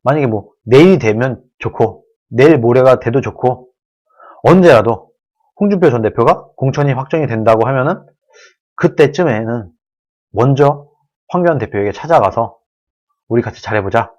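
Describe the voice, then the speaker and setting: A man's voice: medium pitch, animated, normal speed, a little mellow, dull audio. A man hosting his own channel, giving an earnest solo political commentary, pleading and restating each point.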